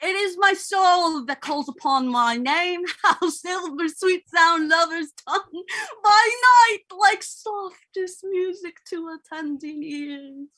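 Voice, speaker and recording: An ardent, dreamy young male lover, played by a man, with a very high, bright voice and a slow pace. He delivers Shakespearean verse theatrically and with exaggeration, like an amateur stage reading. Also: no room sound, exaggerated voice. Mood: adoring.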